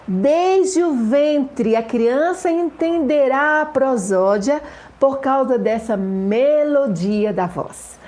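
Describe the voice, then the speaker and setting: A woman, a children's author and educator giving an explanatory talk to camera. She asks the viewer rhetorical questions and slows down to stress the words in a list. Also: high-pitched, lively intonation, darkish tone.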